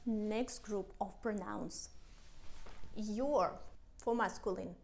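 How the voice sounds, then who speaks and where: A woman teaches beginners in an unhurried lesson. She speaks very slowly and spells out and repeats each word so learners can follow. Her pitch sits in the middle range. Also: a little mellow. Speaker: Russian teacher. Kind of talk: slow language lesson.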